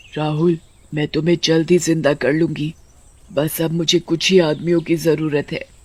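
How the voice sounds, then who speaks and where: This cartoonish character voice sits at a middle pitch, moving at a moderate pace with monotone, flat intonation. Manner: cackling, gloating.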